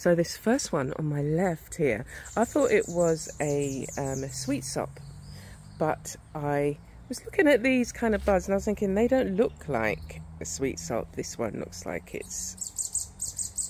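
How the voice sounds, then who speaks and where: Speech comes at a very slow pace in a dry sound with no echo and light background noise. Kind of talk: casual vlog chat. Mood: pleased, enthusiastic. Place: garden. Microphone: phone near.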